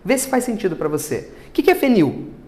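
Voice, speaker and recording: A man's voice: high-pitched, very animated, brisk, darkish tone. A man with a Brazilian Portuguese accent teaching a chemistry class, asking his students questions and then answering them himself. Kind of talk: classroom lecture.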